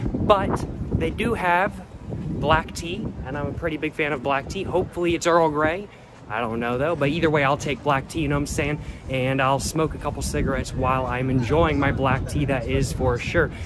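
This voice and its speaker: Loud background noise surrounds a man speaking at a moderate pace. His voice itself sounds dry, with no echo. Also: ordinary pitch variation. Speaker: vlogger. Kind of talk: casual vlog chat. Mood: excited, upbeat. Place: street. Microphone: phone near.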